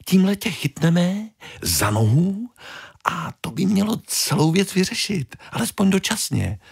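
Man doing a squeaky little fish. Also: very animated, gravelly, slightly rough, no room sound, clean studio sound, heavily acted. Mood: helpful. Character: small eager little fish.

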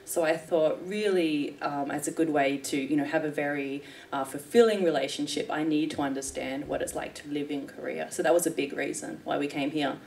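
A woman's voice: sits low, steady tone, fairly quick, gravelly, hardly any pauses, a little mellow, far from the mic, a little hiss or hum. A young woman, a cartoonist chatting thoughtfully as a radio panel guest. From Australia. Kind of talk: casual chat on a radio panel. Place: radio studio stage with audience.

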